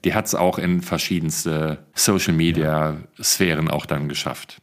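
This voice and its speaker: A man's voice: rumbling low, fairly even intonation, measured pace. A man co-hosting a podcast in casual chat, playful and chatty. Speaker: podcast co-host.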